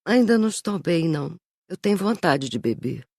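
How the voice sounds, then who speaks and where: A woman voicing an ashamed, weary woman spirit recovering from alcoholism, confessing in measured phrases for an audiobook. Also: on the low side, lively intonation, a little mellow, no room sound, clean studio sound. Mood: ashamed, sorrowful. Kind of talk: audiobook character reading.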